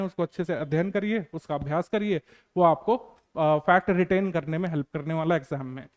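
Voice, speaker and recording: High-voiced man giving exam strategy lecture. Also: a little mellow, clear, resonant tone. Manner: earnest, repetitive advice with frequent fillers. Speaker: exam coaching teacher.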